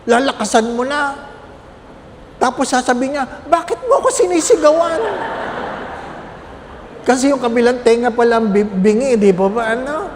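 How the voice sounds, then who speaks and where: A man's voice: very high-pitched, long reverb tail, a little hiss or hum. A man, a Catholic priest, preaching a homily with humorous stories and constant questions to his congregation. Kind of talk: sermon.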